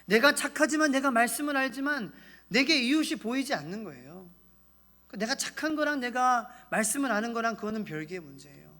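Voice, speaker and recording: A man's voice: extremely high pitch, animated, brisk, pushed and bright. A male pastor delivering a sermon with emphatic, repetitive preaching and acted quotes. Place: church sanctuary. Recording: long church hall reverb.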